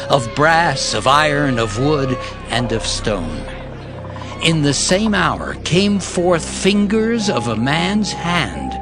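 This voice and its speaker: A man narrating scripture dramatically, with measured, solemn storytelling delivery. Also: on the high side. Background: loud music.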